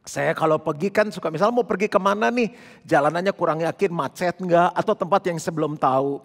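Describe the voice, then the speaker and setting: A male pastor preaching a sermon in a lively, conversational way with playful asides. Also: fairly high pitch, fairly quick. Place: church hall. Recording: long church hall reverb.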